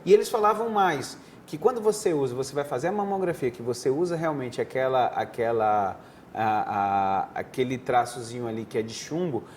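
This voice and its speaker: A male surgeon from Brazil, explaining as a guest at a TV studio desk. His voice sits at a middle pitch for a man. He talks in a patient, teacherly way and often restarts mid-phrase. A faint noise can be heard behind him. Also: animated, moderate pace, a little mellow. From Northeastern Brazil. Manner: didactic, conversational, frequent restarts. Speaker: head and neck surgeon, guest. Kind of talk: explanatory interview answers.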